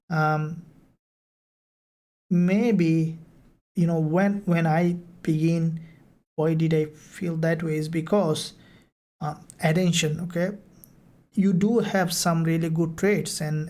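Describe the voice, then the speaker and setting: Female live-stream host and mentor. Low, very even delivery, halting phrasing, informal question-and-answer style.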